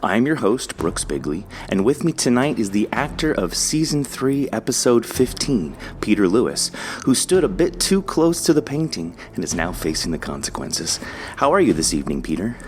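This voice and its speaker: Low-voiced male podcast host. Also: big pitch swings, normal speed, a little hiss or hum. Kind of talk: conversational interview.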